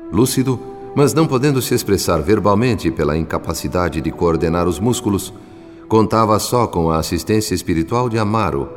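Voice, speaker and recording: Radio drama narrator: formal, solemn storyteller, deep register, reverberant with soft music behind. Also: male voice. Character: solemn male spirit narrator. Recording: long reverb, music underneath.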